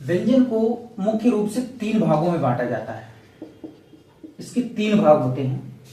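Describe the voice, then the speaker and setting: A man teaching a Hindi grammar lesson to students. He repeats the key points slowly so they stick. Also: high-pitched, very animated, mellow, reverberant, distant mic.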